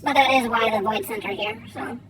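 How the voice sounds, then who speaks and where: A woman giving casual gameplay commentary and chatting with viewers in a rambling, halting way, her R's softened toward W. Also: a little high, slight background noise. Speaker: game streamer. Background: faint music.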